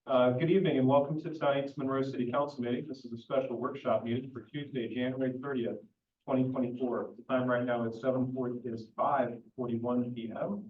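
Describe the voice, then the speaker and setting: A man acting as mayor, opening a public council meeting. He talks slowly and projects his voice without yelling, with no microphone in a meeting room. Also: medium pitch, fairly even intonation. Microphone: no microphone, picked up from a distance. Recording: echoey, distant, dull sound.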